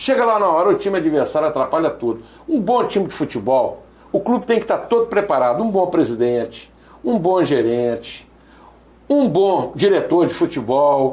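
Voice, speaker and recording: This man speaks at a high pitch. His pitch swings very widely. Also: moderate pace. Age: 60s. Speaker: sports pundit. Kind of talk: sports talk show commentary. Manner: animated, opinionated.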